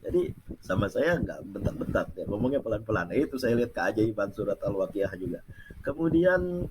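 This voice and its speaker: A man casually recounting a personal story in a chatty, animated way, laughing now and then. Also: lowish voice, fairly quick, noisy background.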